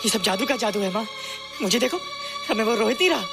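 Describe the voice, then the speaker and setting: A man's voice: high voice, expressive, quick pace, vocal fry, over loud music. An actor playing a grown man with a child's mind, talking in a simple, boyish and innocent way, in film dialogue. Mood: proud.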